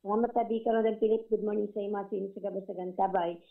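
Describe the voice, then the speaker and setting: A woman field reporter calling in to a radio show over a phone line, reading a news report in a formal, steady way. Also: mid-range voice, very fast, gravelly. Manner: formal, steady newsreader delivery. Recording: tinny distant phone line.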